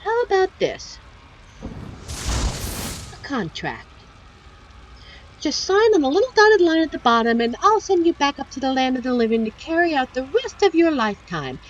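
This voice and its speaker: A woman's voice: high-pitched, very animated, moderate pace, long pauses, highs cut off, a little hiss or hum. A woman voicing a seductive, teasing female demon in a scripted ASMR roleplay, speaking with a coy, condescending, theatrical manner. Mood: coaxing, businesslike.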